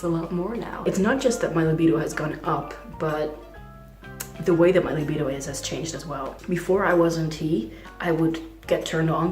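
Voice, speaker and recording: A young trans man talking in a casual video diary, hesitant and full of fillers, with a fragile voice that sometimes skips between low and high. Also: roomy sound. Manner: hesitant, many "like" fillers, nervous laughs. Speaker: vlogger.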